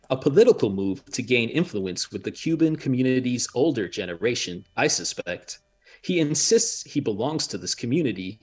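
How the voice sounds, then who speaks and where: A Jamaican American man, an author, talking haltingly with many fillers and laughs, and reading from his book. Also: medium pitch, husky. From United States, of Jamaican family.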